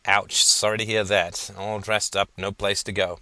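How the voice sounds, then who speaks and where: A wisecracking young guy, sarcastic and teasing, tossing off jokes at his friend in a storybook reading, as a man voices him. The tone is bright and pushy, with a dry, close sound. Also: lowish voice, level tone, normal speed, no room sound. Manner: sarcastic, joking.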